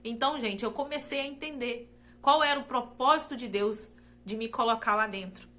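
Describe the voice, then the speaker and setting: Earnest and repetitive, a Brazilian woman gives a personal testimony of faith, often turning to address her listeners. She talks at normal speed in a fairly high, pushed and bright voice.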